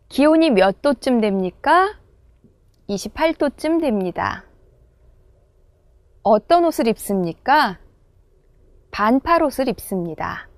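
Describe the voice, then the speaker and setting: Brisk woman teaching in a dry booth. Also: fairly high pitch, darkish tone, no room sound. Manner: clear, measured model pronunciation. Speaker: Korean language teacher. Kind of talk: textbook lesson dialogue reading.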